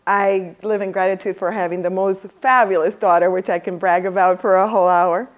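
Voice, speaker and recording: A woman leads a workshop in front of a live audience. She is lively and laughs easily, and she keeps turning questions back to the room. Her motivational talk has a warm, inviting flow. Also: medium pitch, a little fast, lo-fi sound. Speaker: speaker leading a workshop.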